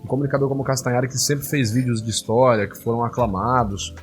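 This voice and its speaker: A man hosting a casual commentary, talking in an animated, indignant way with slang and plenty of fillers. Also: medium pitch, quick pace, faint music behind. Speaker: host analyzing rhetoric.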